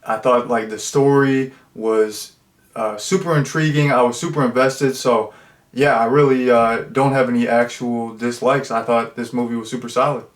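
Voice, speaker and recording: Casual male film reviewer, meandering and jokey, mid-pitched, in a roomy echoey space. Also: steady tone, moderate pace. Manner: rambling, full of fillers and jokey asides. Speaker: movie reviewer. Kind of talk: casual chat. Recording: roomy echo.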